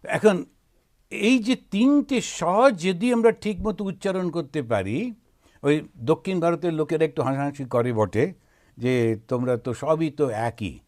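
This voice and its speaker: Bengali monk, slow measured speech. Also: male voice, fairly high pitch, lively intonation. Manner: slow, measured chanting of Sanskrit verse; explanatory, demonstrating sounds with gentle humour. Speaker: monk giving a spiritual talk. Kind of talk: chanting then spoken talk.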